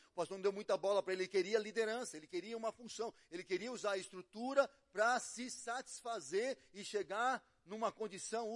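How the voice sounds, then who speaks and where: A middle-aged Brazilian man preaching as a pastor, telling a story and swinging between hushed and loud delivery. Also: high-pitched. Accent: Brazilian Portuguese. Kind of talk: sermon with acted quotes.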